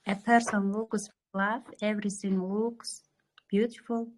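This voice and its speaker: Flat, slow, shy woman. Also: mid-range voice, poor audio. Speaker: class participant.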